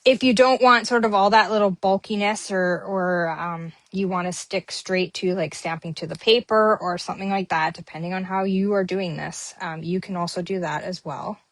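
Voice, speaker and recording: This papercrafting host has a fairly low voice with fairly even intonation, speaking at a normal speed with few pauses. She chats casually through her tutorial, saying um a lot as she works on her project. There's no echo.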